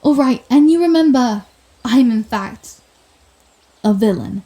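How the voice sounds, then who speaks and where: A woman playing a proud, sardonic telepathic villain with a secret soft side, in a theatrical, wry manner for an intimate ASMR roleplay. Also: a little high, animated, unhurried. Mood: incredulous, sardonic. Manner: theatrical, wry, flustered denials, grand pronouncements.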